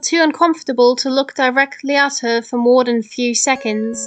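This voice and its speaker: A woman's high-pitched voice at a moderate pace, with music in the background. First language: not English. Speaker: creepypasta narrator. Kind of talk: horror story reading.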